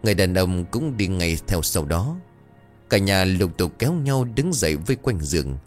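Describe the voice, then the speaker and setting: A man narrates a scripted horror story in a very deep voice. His delivery is dramatic, with a lively, swooping pitch. Faint music plays underneath. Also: moderate pace.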